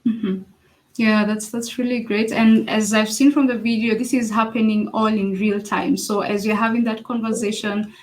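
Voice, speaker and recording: A woman's voice: mid-range voice, rough recording. A woman interviewing a developer, encouraging and inquisitive, often affirming what she hears. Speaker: interviewer host.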